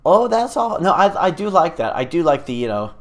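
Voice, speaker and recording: A middle-aged man hosting a casual live stream, chatting loosely with many pauses and restarts. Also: on the high side, sing-song. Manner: rambling and hesitant, many fillers and restarts. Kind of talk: casual live-stream chat, reading viewer comments.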